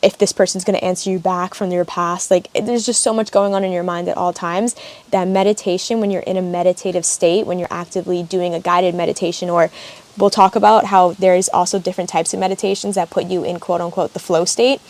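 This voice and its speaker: A woman's voice: on the low side, fairly even intonation, fairly quick, a little mellow. A young woman hosting a casual solo podcast from an open air cabin, chatty and rambling with lots of "like" fillers. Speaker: podcast host and yoga teacher. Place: open air cabin outdoors, wind in background.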